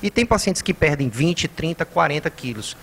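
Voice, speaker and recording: A man from Ceará in Brazil, speaking as a doctor on a television talk show. His voice sits somewhat high for a man, and he explains things patiently and in detail. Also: animated, normal speed, vocal fry, fairly bright tone, husky. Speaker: doctor, studio guest. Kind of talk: TV interview answers.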